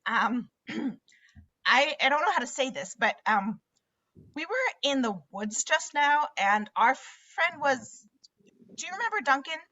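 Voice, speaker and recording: A woman acts out an earnest, shaken teenage girl from a horror comedy. Her voice is high and bright, swinging about as she stammers. The audio is slightly lo-fi, like a video call. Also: big pitch swings, exaggerated voice. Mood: nervous, shaken. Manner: halting, stammering. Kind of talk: table read of a horror comedy film script.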